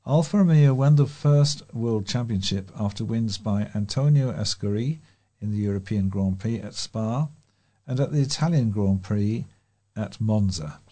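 This is a British man with a fairly low voice and a very soft, mellow tone. He reads scripted local news and letters as a volunteer newsreader. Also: normal speed. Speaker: volunteer newsreader for a talking newspaper.

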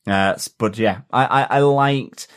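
A man co-hosting a casual podcast, musing about a TV episode in a relaxed way with many ums and uhs. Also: medium pitch, a little slow, clean tone. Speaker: podcast co-host. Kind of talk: casual chat reviewing a TV episode.

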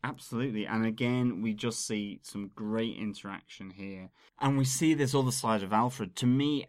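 A man's voice: fairly low pitch, dry recording, clean studio sound. A man from England co-hosting a podcast, explaining things at length and laughing at himself. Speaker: podcast co-host. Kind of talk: casual podcast chat.

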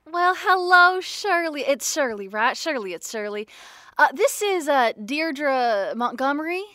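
A woman doing a phony estate agent who gushes on the phone. The voice is sugary and sing-song, pitched high and swooping widely. Recorded close and dry. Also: animated, measured pace, pushed and bright, dry recording, heavily acted. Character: fake-polite woman posing as an estate agent.

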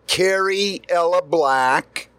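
An older man telling stories in a relaxed chat after a show, slow and halting. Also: sits high, clean tone, dry recording. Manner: slow, halting, restarts often. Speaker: guest musician. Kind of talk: casual storytelling. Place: noisy room after a show.

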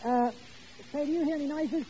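High-voiced, officious lodge brother. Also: male voice, brisk, dark tone. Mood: officious, wry. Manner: ungrammatical pompous phrasing. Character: officious, folksy working-class lodge brother on business. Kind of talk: old-time radio sitcom acting. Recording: dull vintage radio recording, faint noise, audience.

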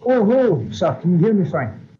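A man's voice: high voice, sing-song, brisk. A man calling in to a show, his voice muffled and muddled as if underwater, speaking in a hesitant, apologetic way. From Scotland. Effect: muffled underwater-sounding call audio. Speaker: caller. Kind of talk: call-in question to a show host. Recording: muddled dull phone-in call line.

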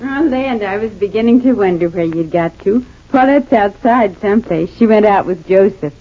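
An actress playing a kindly, homespun older matriarch with country turns of speech, in old radio-drama style. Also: female voice, mid-range voice, lively intonation, moderate pace, natural voice. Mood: homely warm. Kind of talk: 1940s radio acting. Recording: tinny thin old radio recording.

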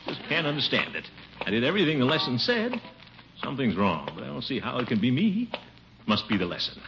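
An actor playing a pompous, boastful middle-aged bachelor in a 1950s radio sitcom, with a giggling laugh. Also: male voice, mid-range voice, sing-song, a little fast, gravelly, over music. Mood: pleased. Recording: dull hissy old radio broadcast.

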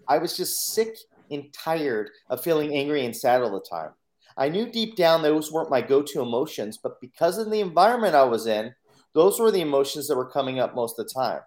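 A man's voice: fairly high pitch, big pitch swings, a little fast, a little mellow. A man telling his own life story on a podcast in an earnest way, acting out his inner thoughts in quotes. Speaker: podcast guest. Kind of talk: personal storytelling.

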